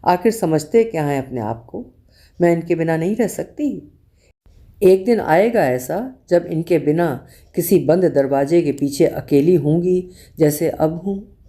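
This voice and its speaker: A woman's voice: low-pitched, lively intonation, a little slow, dark tone. A woman storyteller reading a first-person diary story in a reflective, confessional manner.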